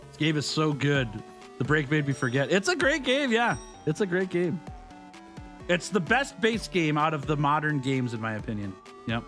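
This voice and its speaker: A gaming streamer plays a video game live and chats casually with his audience, often joking and laughing as he reads their messages out loud. His voice is mid-range and a bit bright.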